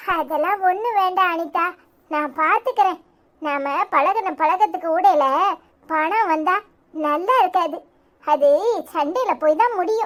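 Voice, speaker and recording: A woman uses a cartoonish character voice at an extremely high pitch. She speaks at a fairly slow pace with ordinary pitch variation. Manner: chatty, earthy village speech.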